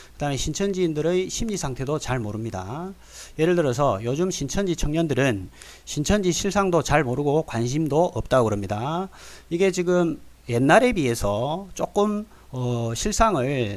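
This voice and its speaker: A man talks at a moderate pace with a fairly high pitch and very wide pitch swings. The recording is very clean, with a silent background. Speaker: anti-cult commentator, YouTuber. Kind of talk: video commentary rebuttal. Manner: halting, many fillers.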